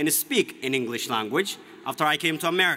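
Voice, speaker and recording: A man with an Ethiopian accent speaks at a moderate pace with lively intonation as music plays in the background. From Ethiopia, Oromia. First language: Oromo. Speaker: student commencement speaker. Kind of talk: commencement speech. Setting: graduation ceremony with audience.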